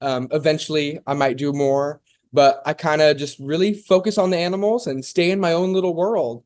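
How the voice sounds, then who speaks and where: Male interview guest from Oklahoma, fairly high voice, easygoing and rambling, lots of "um"s. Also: normal speed. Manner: relaxed and rambling, with many "um"s and "and stuff". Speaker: guest, zoo founder. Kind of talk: casual interview talk.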